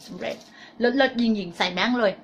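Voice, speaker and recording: A woman's voice: on the high side, fast, gravelly, a little hiss or hum. A middle-aged woman teaching a motivational self-help lesson, blunt and coarse, sprinkling polite particles through her talk.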